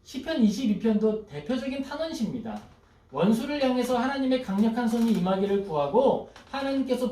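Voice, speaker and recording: A man's voice: very high-pitched, dark tone. A male pastor preaching a sermon who asks the congregation questions and acts out pleading prayers. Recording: echoey hall, voice from a distance.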